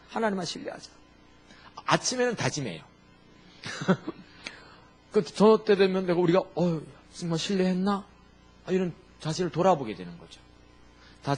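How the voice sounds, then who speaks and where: A man's voice: a little high, breathy edge. A middle-aged male pastor preaching a sermon, firing rhetorical questions at the congregation and pressing each point home.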